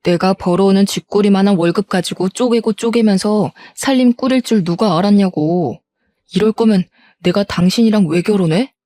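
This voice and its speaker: A woman's voice: medium pitch, normal speed, mellow, dry recording, close to an everyday voice. A woman voicing a resentful middle-aged husband in a spoken family drama story, whiny and self-pitying. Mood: bitter. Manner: pleading then defiant, self-pitying.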